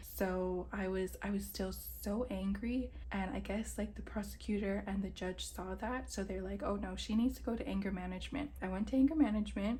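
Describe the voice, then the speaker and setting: Audible room echo hangs around this recording. A woman speaks at a fairly quick pace. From Hawaii, Honolulu. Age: 20s. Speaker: budgeting youtuber. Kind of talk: casual vlog chat while counting cash.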